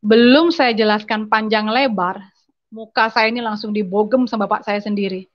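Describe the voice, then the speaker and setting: A woman giving an emotional spoken testimony to a church audience, telling her story in an animated way and acting out the dialogue. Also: medium pitch, normal speed, no room sound, highs cut off. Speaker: testimony speaker at a church gathering.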